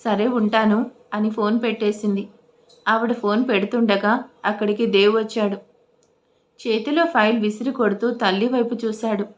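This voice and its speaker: A woman storyteller giving a steady, scripted narration of an audio story. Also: medium pitch, normal speed.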